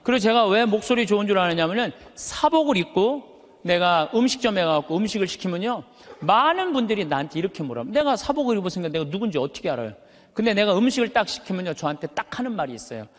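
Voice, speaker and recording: High, full-voiced male priest in a reverberant hall. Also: sing-song, fast talker. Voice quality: high but thick, full voice that carries. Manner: emphatic, uses rhetorical questions and stretched words for effect. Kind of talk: animated motivational sermon to a live audience. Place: large hall, speaking to an audience.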